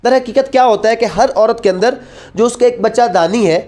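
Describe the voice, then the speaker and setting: A man's voice: extremely high pitch, fairly quick, darkish tone. Male law lecturer, Pakistani accent, explanatory classroom delivery with rhetorical questions and code-switching into English. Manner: explanatory, asks and answers own questions. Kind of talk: lecture mixing Urdu and English.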